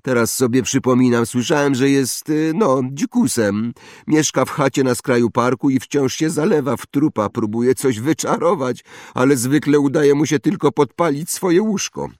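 A man's voice: medium pitch, moderate pace, a little mellow, no echo, clean studio sound, pitched above the performer's own voice, close to an everyday voice. A man voicing an arrogant, snobbish young wizard boy who boasts and mocks. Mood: boastful. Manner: boastful, mocking.

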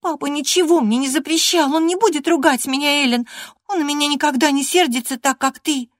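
A woman voicing a capricious thirteen-year-old girl, high and whining, in a storybook reading. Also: a little fast, no room sound, studio quality, lightly acted. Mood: merry, whining. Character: spirited young girl of thirteen, capricious and playful.

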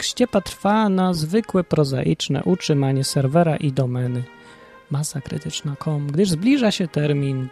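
A man's voice: fairly high pitch, creaky, darkish tone. A man hosting his own podcast in a rambling, self-ironic casual monologue. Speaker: podcast host.

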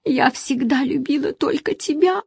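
Woman narrator doing a heartbroken woman, weepy, trembling, high voice, pleading, dry close sound. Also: moderate pace, creaky, no room sound. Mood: tearful pleading. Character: tearful pleading woman, desperate former lover.

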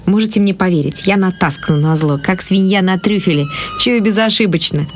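A woman's voice: mid-range voice, brisk, slight background noise, close to an everyday voice. An actress playing an eccentric, forthright young woman in a radio drama, chatty and idealistic. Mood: earnest, defiant. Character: eccentric, earnest, fearless young woman fighting evil.

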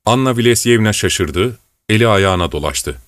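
Male audiobook narrator, steady and even; lowish voice, dry close recording. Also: normal speed, no echo.

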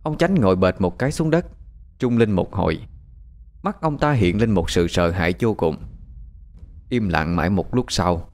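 A man narrating a scripted audio story in a steady, dramatic way. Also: deep voice, moderate pace, pauses often. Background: faint background music.

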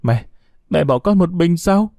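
A man's voice: lively intonation, unhurried, gravelly, a little mellow, dry recording, studio quality. A man voicing a small heartbroken boy. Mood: wailing. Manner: pleading, crying out in high voice. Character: young grieving boy, Đức.

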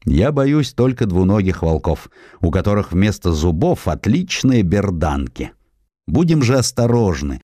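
A man's voice: low-pitched, sing-song, a little slow, dark tone, no echo, studio quality, full character voice. A man voicing a proud, principled estate owner who guards his animal reserve, declaiming firmly in an audiobook. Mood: wary.

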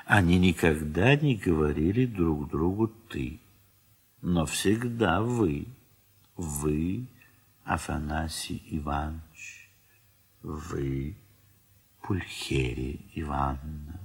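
A man narrating a radio play, reading literary prose in a measured, wistful way with soft, trailing phrase ends. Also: very deep voice, slightly rough.

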